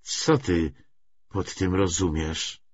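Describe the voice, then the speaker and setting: A man's voice: low voice, slow, slightly rough, no echo, highs cut off, heavily acted. A man reading aloud the part of an earnest, insistent young man who questions with stiff, forced politeness. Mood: urgent, puzzled.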